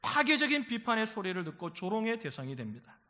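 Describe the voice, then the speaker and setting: Pastor, middle-aged man, high bright tone, preaches with fervent calls to the congregation. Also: very animated, quick pace. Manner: leads congregation in reading aloud, rising to fervent exhortation. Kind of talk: sermon.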